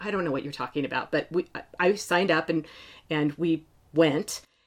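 This is a woman with an unremarkable speaking voice. Her pitch sits fairly low and varies in an ordinary way. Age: 50s. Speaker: business consultant. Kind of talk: casual chat. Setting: remote call.

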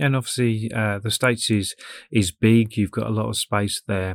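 Speaking at a moderate pace in a British accent, a man uses a fairly low pitch with fairly even intonation. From UK. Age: 30s. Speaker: podcast host. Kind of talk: casual interview chat.

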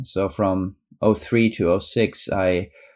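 In a German accent, a man speaks with ordinary pitch variation. The background is quiet. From Germany, mountain region. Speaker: homesteader and YouTuber. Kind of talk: interview. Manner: hesitant with repetitions.

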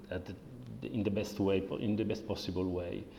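The speaker is a man. The room around him gives off audible echo. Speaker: tech company founder. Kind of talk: interview. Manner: halting.

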